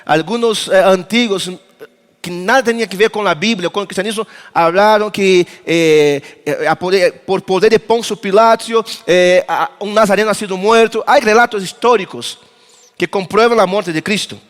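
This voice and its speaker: A man preaching a conference sermon as pastor, with dramatic pauses and moments of acting out dialogue. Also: high voice. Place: church auditorium. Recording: long reverb of a church hall.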